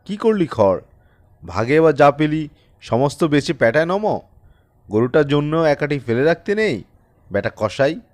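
A haughty village priest from a storybook, acted out by a male narrator. He scolds and mocks in sharp, callous commands. The sound is dry and close. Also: a little high, big pitch swings, measured pace, pauses often, no echo. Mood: accusing, scornful. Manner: sharp taunts, contemptuous commands. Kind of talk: dramatized audiobook storytelling.

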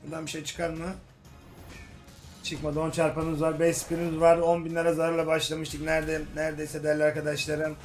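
Man, high voice, slot streamer, joking, grumbles then hypes, faint music behind. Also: a little fast. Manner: joking, swings between grumbling and excited hype. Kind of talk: casual commentary over slot play. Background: faint game music.

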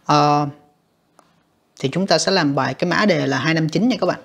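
A woman's voice: low-pitched, moderate pace, vocal fry. A woman teaching an exam walkthrough, talking patiently with frequent fillers and repeating words as she explains. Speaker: English teacher.

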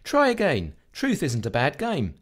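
A woman's voice: low-pitched, wildly swooping pitch, measured pace, voice pushed down, exaggerated voice. A woman voicing a cocky, slightly dishonest English teenage boy in an audiobook. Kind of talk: audiobook character dialogue.

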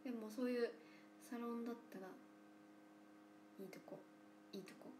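Young woman in her twenties, idol livestream host, soft near-whispered chat, slightly high voice, roomy room with a faint hum. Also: steady tone. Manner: soft-spoken, often drops to a near whisper; playful drawn-out thank-yous to viewers.

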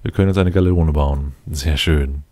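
A man's voice: extremely low pitch, normal speed, warm tone. A man giving casual gameplay commentary, thinking aloud and muttering to himself as he plays. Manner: muttering to himself, addressing game units directly. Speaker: let's player commenting on his game.

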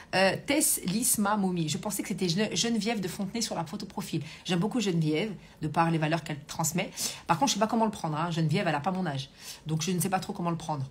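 A woman's voice: fairly low pitch, fast talker, slightly rough. A woman coach hosting a live stream, chatting casually, reading comments aloud and talking with many fillers. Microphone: Bluetooth hands-free earpiece.

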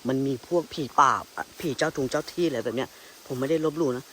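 A man with in his speech, vlogging in hushed, tense tones while walking through a dense rainforest with a companion, using coarse slang. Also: medium pitch, fairly even intonation, quick pace, slight background noise. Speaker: ghost-hunting vlogger. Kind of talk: whispered jungle exploration vlog. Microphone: handheld camera.

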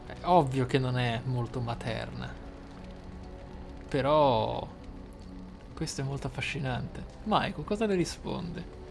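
A man's voice: medium pitch, takes it slowly, gravelly, pauses often, music in the background. A man giving casual role-play game commentary, musing aloud in an amused manner. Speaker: let's play host.

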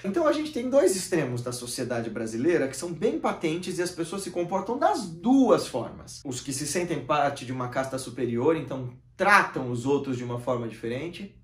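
A man in his thirties from Brazil, hosting his channel with an expressive, gesturing monologue to camera from a room with bookshelves. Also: moderate pace, few pauses. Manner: expressive, gesturing, shifting volume and pitch often. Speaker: channel host. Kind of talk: animated philosophical monologue to camera. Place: small room with bookshelves, seated in armchair. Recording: roomy echo.

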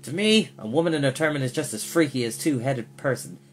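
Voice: mid-range voice, animated, brisk, lightly acted. A blunt male carnival heckler from a storybook, put on by a narrator. He sounds impatient and bloodthirsty, with music behind. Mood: frustrated.

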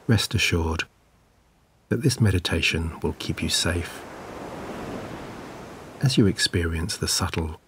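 Really low male voice doing sleep hypnosis, gentle and soothing, measured delivery, waves faintly in the back. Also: background noise. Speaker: hypnosis and meditation guide. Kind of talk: guided sleep meditation, scripted narration. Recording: clear background ambience of waves. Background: relaxing ocean wave sounds.

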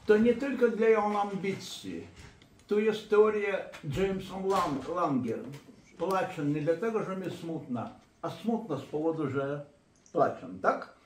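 High-voiced man lecturing in an echoey room. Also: animated, unhurried, slight background noise. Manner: emphatic, digressive lecturing. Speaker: therapist and court expert. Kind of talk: lecture-style talk.

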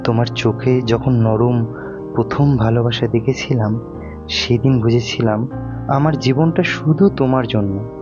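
A man's voice: mid-range voice, steady tone, a little slow, lightly acted. A man playing a devoted young man in love in an audio romance drama, speaking earnestly and romantically. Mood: romantic, nostalgic. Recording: dull lo-fi audio under guitar music. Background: plucked guitar music.

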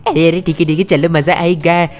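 A woman's voice: fairly low pitch, steady tone, a little fast, darkish tone, faint music behind, close to an everyday voice. A woman voicing a mischievous, teasing little cartoon boy in a gameplay role-play, whiny and fond of filler words. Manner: whiny, teasing, says yaar a lot.

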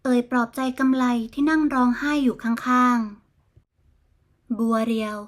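A woman narrating a bedtime folk tale in a smooth, even storytelling manner. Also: on the high side, slow.

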